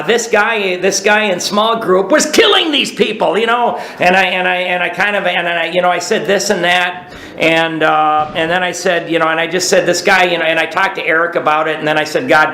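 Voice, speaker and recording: Bright-voiced man telling a recovery story. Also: a little high, fairly even intonation, fairly quick, few pauses, roomy sound, rough recording. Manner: rambling, restarts, asks "right?". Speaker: recovery speaker. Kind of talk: recovery talk.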